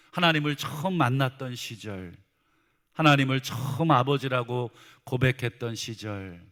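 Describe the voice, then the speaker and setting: A man's voice: mid-range voice, a bit bright. A male pastor preaching a sermon with humor, acting out exchanges between spouses and asking the congregation questions. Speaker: senior pastor. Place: church sanctuary. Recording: long church hall reverb.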